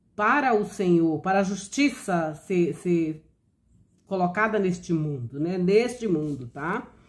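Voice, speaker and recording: A somewhat breathy woman's voice at a fairly slow pace. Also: very clean recording, silent background. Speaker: Bible teacher. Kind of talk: Bible teaching video. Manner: halting, many fillers.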